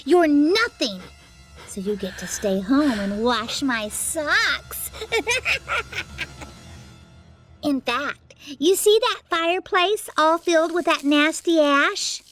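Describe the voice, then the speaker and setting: Mocking, cruel high-pitched fairytale villainess. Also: female voice, lively intonation, a bit bright, faint music behind, exaggerated voice. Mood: gloating, mocking. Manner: mocking, taunting, drawn-out insults. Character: cruel, sneering stepfamily women bullying Cinderella. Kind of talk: animated fairytale storybook acting.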